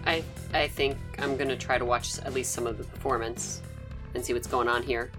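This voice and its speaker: A woman's voice: rumbling low, steady tone, normal speed, music in the background. A woman chatting casually as a player in a tabletop game.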